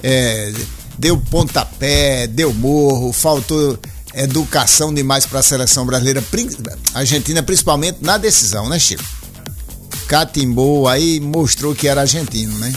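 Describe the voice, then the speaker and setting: A medium-pitched male radio host talks at a moderate pace while faint music runs behind him. Chatty and lilting, he discusses football casually, takes calls from listeners, and tags his lines with "né?".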